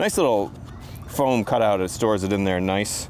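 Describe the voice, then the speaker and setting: Over light background noise, a man talks fairly quickly in a normal speaking voice at a fairly low pitch, the sound dry with no echo. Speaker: product reviewer. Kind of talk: casual product review. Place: open country. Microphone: phone near.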